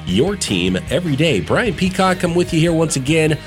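A man's voice: a little high, very animated, normal speed, music in the background. A man hosting a sports podcast in casual talk, a bit stuffed up from a cold, candid and blunt. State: stuffed up, a little sick. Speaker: podcast host.

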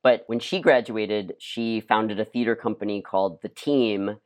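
An actor chatting casually as an interview guest, speaking haltingly and peppering sentences with "like". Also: medium pitch, steady tone, darkish tone. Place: at home, remote session.

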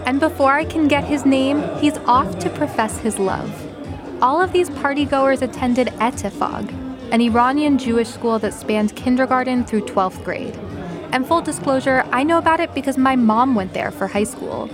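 A woman reporter reads a scripted news story in a measured, clear way. Her voice sits fairly high, and music plays under her narration. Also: crowd noise.

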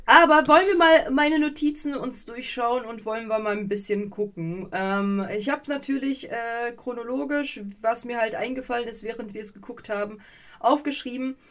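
A woman co-hosting a podcast in casual chat, animated and rambling, with many fillers and a playfully mocking edge. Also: fairly high pitch, normal speed. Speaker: podcast co-host.

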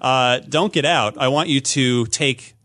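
A man's voice: mid-range voice, a little slow, pushed and bright. A man hosting a casual chat show, joking and bantering as he steers the talk. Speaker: podcast host.

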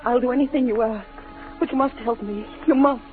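A woman's voice: fairly high pitch, fairly quick, soft background music, close to an everyday voice. Woman playing an anxious, pleading young actress. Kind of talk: 1940s radio acting. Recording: muffled old radio recording.

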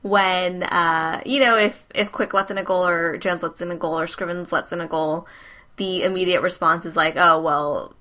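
Bright-voiced woman, animated hockey chat. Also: on the low side, moderate pace. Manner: animated, rambling, profane. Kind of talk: casual sports chat.

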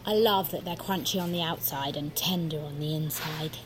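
A woman's voice: deep voice, normal speed, background noise, natural voice. A woman playing a carefree, upbeat friend who talks in a bubbly, laid-back way on a pebble beach. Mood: relaxed. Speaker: love interest.

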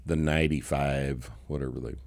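A man with a slight Texas accent hosting a casual podcast, talking in a gruff, profane, sarcastic way. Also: a bass voice, steady tone, moderate pace, a little mellow. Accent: Texan. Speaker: podcast host, strength coach.

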